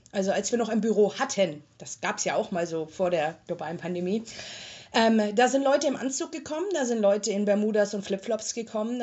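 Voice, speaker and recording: A young woman from Germany giving an interview and telling her story in a chatty, colloquial way, with frequent filler pauses. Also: medium pitch, a little mellow. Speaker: interviewee, tech customer support worker. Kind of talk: casual interview talk. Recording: slightly muffled lo-fi recording.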